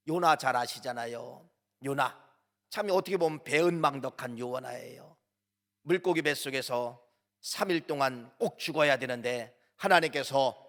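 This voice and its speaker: A man's voice: high voice, fairly bright tone. A man preaching a sermon as pastor in a church, emphatic and full of rhetorical questions that he answers himself. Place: church sanctuary. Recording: long church hall reverb.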